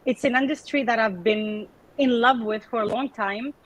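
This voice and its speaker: Seorang wanita yang berasal dari Sudan dan dibesarkan di Kanada, bercerita dengan santai sebagai panelis lewat panggilan video. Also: female voice, on the high side, normal speed, poor audio. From Sudan, raised in Canada. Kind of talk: conversational panel talk.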